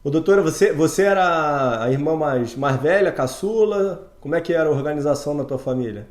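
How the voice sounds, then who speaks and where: A man's voice: fairly high pitch, animated, brisk, echoey room. A Brazilian man who hosts an interview podcast as a doctor, chatty and enthusiastic, full of fillers. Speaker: host, ophthalmologist.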